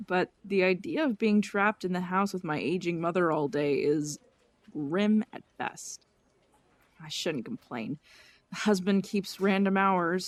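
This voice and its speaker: A woman's voice: lowish voice, close to an everyday voice. An actress playing a tired officer who sounds weary and sighs as she talks. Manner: weary, sighing. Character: tired female police officer caring for her mother.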